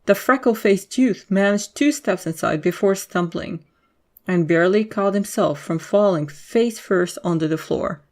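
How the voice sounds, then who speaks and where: A woman's voice: medium pitch, measured pace, a little mellow. A woman reading scripted story narration as the narrator of an audio drama.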